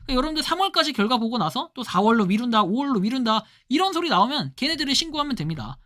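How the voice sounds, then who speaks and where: Fast, lively woman explaining to viewers. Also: on the high side. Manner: keeps asking viewers rhetorical questions and tagging "right?". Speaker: commentator. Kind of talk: casual explainer commentary to viewers.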